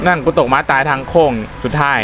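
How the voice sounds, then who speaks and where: A man's voice: medium pitch, fast talker, heavy background noise. A man giving loose, casual commentary while playing a car game, talking to himself and swearing freely. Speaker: gaming YouTuber. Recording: game music playing under the voice.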